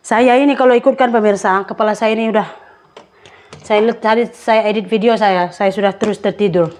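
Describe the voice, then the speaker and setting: A woman's voice: medium pitch, a little mellow, slight background noise. A tired young woman, chatting to her viewers in a rambling, storytelling way while doing chores at home. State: tired from a sleepless night. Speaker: vlogger. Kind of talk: casual chat to viewers.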